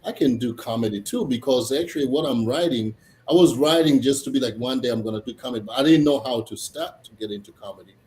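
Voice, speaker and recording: A man from Tanzania, a comedian chatting casually as a guest, halting, with many fillers and restarts. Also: medium pitch, dark tone. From Tanzania, East Africa. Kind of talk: casual interview chat. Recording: echoey room, faint noise.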